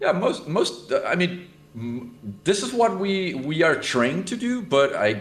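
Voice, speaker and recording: A man's fairly slow speech in a non-native accent, with very wide pitch swings. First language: not English. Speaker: helicopter pilot and sim sound designer. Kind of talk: casual chat. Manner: halting, many fillers and repeats.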